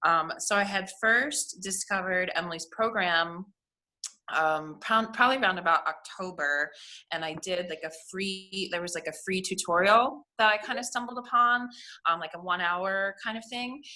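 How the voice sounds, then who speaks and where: A woman's voice: mid-range voice, normal speed, bright, forceful tone. A woman speaking as a panelist on a video call, chatty and enthusiastic, with many fillers. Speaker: panelist, program graduate. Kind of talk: casual chat on a video call.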